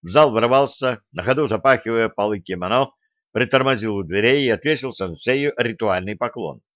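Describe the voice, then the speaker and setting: A man giving scripted audiobook narration in an even storytelling manner. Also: medium pitch, normal speed, no echo, lo-fi sound.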